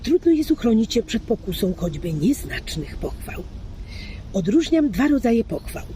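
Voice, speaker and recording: Female reader, formal and declamatory with lively intonation, clear background noise like traffic. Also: fairly high pitch, moderate pace. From Poland. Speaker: reader, fan club member. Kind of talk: formal reading of a literary text.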